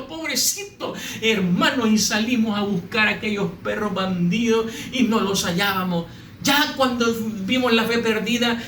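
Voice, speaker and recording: A man's voice: high-pitched, sharp tone. A man preaching a sermon as a pastor, telling humorous stories with mimicked voices. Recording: echoey room, slightly distant mic, faint noise.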